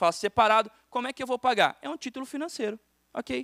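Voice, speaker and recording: Over a quiet background, a man's bright, sharp tone comes through dry, with no echo. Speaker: accountant and lecturer on taxation; lecturer on taxation. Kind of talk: lecture. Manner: fast. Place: stage. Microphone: handheld.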